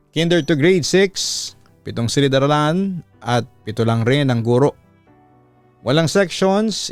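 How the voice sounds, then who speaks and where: A man's voice: mid-range voice, a little mellow, dry recording. A man with a Filipino accent reading a listener's letter aloud as a storytelling host, in first-person dramatic narration.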